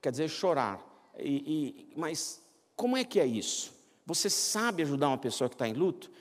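A man's voice: a little high, normal speed. A middle-aged man with a Brazilian accent preaching a humorous sermon, telling personal stories and acting out the voices of the people in them. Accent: Brazilian Portuguese. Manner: animated, acts out quoted voices, self-mocking jokes. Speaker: pastor. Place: large church sanctuary. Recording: church hall reverb.

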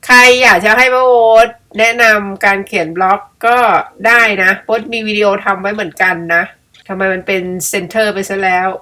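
Her voice mid-range and sharp, at a moderate pace, the middle-aged storyteller and vlogger recounts something from her own life. She's chatty and playful, laughing at herself often as she edits pictures.

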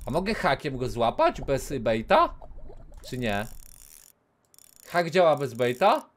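A man in his thirties streaming a game from a small room on a headset mic, talking casually, cursing and yelling at the game, sometimes dropping to a whisper. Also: medium pitch, takes it slowly. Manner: excitable, swears, yells at the game, then drops to a whisper. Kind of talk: casual live gameplay commentary.

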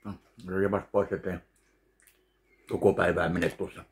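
Slow-talking man reviewing candy at home. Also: low-pitched, little pitch movement, slight background noise. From Finland. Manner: slow, chewing between remarks. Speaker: candy taste-test vlogger. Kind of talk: casual tasting commentary. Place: home kitchen, indoors. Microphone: webcam at desk distance.

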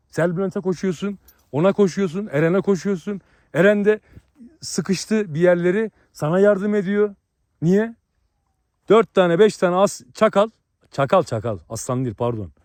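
A man scolds and boasts in a heated rant to his viewers. His voice sits high for a man. It is recorded close and dry, with no room sound. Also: normal speed, a little mellow, dry recording. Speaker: vlogger.

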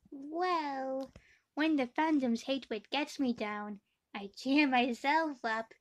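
A woman voicing a self-deprecating, brash thirteen-year-old anime schoolgirl in a theatrical, deliberate comedic character reel. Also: high-pitched. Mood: mock melancholy.

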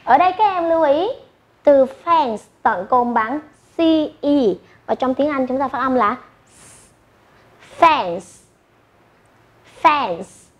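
A woman English teacher giving an online primary lesson, slowly modelling words for pupils to repeat. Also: high voice, muffled recording. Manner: slow modelling of words for repetition.

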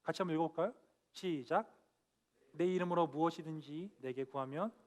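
A young man preaching an earnest, emphatic sermon in a church, dropping soft and then rising on key points. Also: fairly high pitch, a little fast. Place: church sanctuary.

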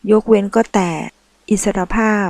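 A woman voicing a domineering young male mafia boss in an audiobook, speaking slowly and with command. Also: a little mellow, dry recording, close to an everyday voice. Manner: slow, commanding and menacing.

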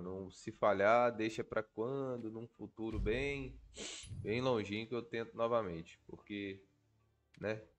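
A Brazilian man with a stuffy, congested nose from a cold, thinking aloud in casual, slangy gameplay commentary. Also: on the low side. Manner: informal, slangy, swearing. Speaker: gaming video creator.

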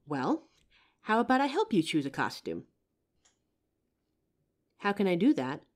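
A woman playing a friendly, curious psychic who helps out in a costume shop, chatting expressively to the listener in a roleplay audio drama. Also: mid-range voice. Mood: helpful, confiding. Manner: chatty, expressive, with pauses and soft laughs. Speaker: voice actor. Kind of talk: roleplay audio drama, one side of a chat addressed to the listener.

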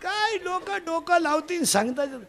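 High-voiced man preaching a comic sermon. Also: normal speed. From Maharashtra. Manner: animated, loud bursts, mimics village folk. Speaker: kirtan preacher.

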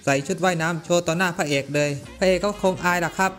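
Brisk, chatty man recapping an anime. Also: sits high, steady tone, fairly bright tone, faint music behind. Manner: brisk, chatty, slangy asides. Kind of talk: casual anime plot recap narration.

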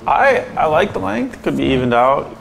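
A man's voice: fairly high pitch, sing-song, moderate pace, creaky. A man chatting casually as a barbershop client, easygoing and agreeable. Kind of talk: casual chat. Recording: loud buzzing clippers over the voice. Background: loud electric shaver buzz.

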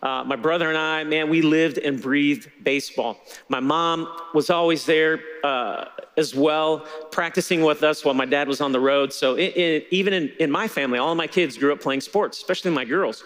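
A middle-aged man preaching a sermon from a church stage on a headset mic, telling stories in a relaxed conversational way. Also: a little high, normal speed, long reverb tail. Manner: conversational storytelling with laughter. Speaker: pastor.

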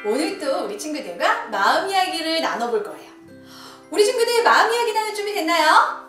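A woman teacher leading a children's lesson in a gentle, encouraging way and coaching slow breathing. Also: very high voice, very animated. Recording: echoey room, from a distance, soft music.

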